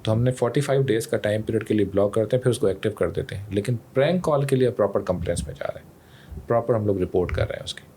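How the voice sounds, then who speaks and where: A man's voice: lowish voice, very fast, warm tone. A man with a Pakistani accent explaining his emergency service as a podcast guest, mixing English phrases into his talk. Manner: mixes in English words and phrases. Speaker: emergency rescue service official, interview guest. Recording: clear background noise.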